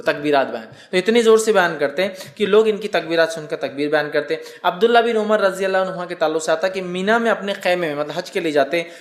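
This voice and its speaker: A male preacher whose voice sits a little higher than most men's. He explains carefully, repeats key phrases and slows down to recite devotional formulas. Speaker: Islamic preacher. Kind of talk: sermon.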